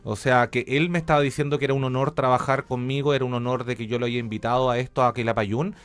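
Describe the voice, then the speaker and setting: A middle-aged Chilean man speaks as a guest in a radio interview. His voice sits at an ordinary pitch, and he explains things in a reflective, conversational way, often retelling what was said. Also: fairly even intonation, fast, clear, resonant tone, soft background music. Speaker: interview guest, journalist and radio theatre director.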